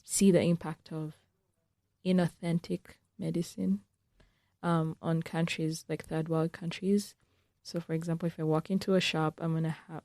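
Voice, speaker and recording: Low-voiced young woman from Uganda, gravelly. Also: a little mellow, dry recording, clean studio sound. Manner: earnest, thoughtful, frequent ums. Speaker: student guest. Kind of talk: radio interview answers. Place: radio studio.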